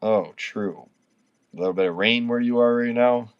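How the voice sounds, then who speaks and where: A man's voice: medium pitch, moderate pace, clean tone, highs cut off. A man in his thirties, drunk and slurring, rambling and swearing constantly while chatting with viewers on a livestream. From Canada. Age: 30s. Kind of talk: casual livestream chat with viewers.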